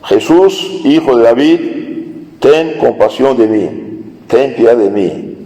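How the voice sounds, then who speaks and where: A man preaching a sermon, raising his voice to act out a blind beggar who pleads loudly for mercy. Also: medium pitch, animated, slow, roomy sound, in a large hall, rough recording. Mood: pleading. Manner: pleading, shouted.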